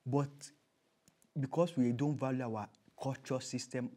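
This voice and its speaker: A man's voice: medium pitch, steady tone, measured pace, mellow. A man with a Nigerian accent speaking as an interview guest, conversational and emphatic, often repeating his key phrases.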